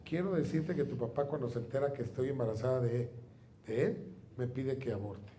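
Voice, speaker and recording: A man's voice: medium pitch, a little fast, dark tone, slight background noise, close to an everyday voice. A man quoting his worried, tearful mother in an urgent, pleading way during a talk, in a roomy hall. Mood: anxious.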